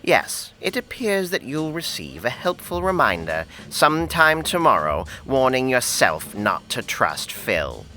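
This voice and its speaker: A man playing a fussy, self-righteous, officious man in an audio drama, pedantic and halting, repeating his words. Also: mid-range voice, big pitch swings, sharp tone, faint music behind. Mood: cold, condescending.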